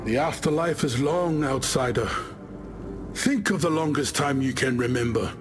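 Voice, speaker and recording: An actor playing an easygoing tribal warrior chieftain from the islands, telling tales in a wry, expressive way as video game dialogue. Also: male voice, medium pitch, moderate pace, natural voice. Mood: reflective, wistful. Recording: music behind the voice. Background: game music.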